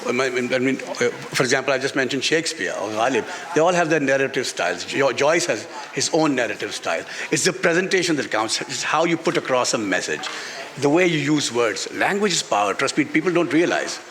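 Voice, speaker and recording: At a live festival session held in a garden, a middle-aged male author with a Pakistani accent replies candidly and with emphasis, often repeating phrases. His voice sits at medium pitch, fairly bright, with lively intonation and a fairly quick pace. There is background noise throughout.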